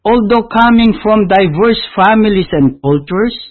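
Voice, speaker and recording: A man from the Philippines with a Filipino accent, preaching a sermon, whose first language is Tagalog. He speaks emphatically, with loud high stresses that drop low at the ends of phrases. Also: animated, measured pace. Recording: tinny phone-like audio.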